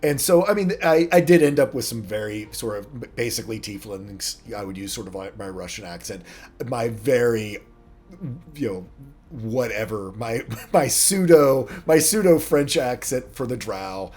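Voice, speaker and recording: This is a man with an everyday middle-pitched voice, chatting loosely about the characters he ran in a tabletop game. He rambles and stops to hunt for words, then laughs at himself. A light wash of music sits behind him. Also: normal speed, a little mellow. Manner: rambling, self-deprecating, many fillers. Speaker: game master. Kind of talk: casual cast chat about a tabletop game.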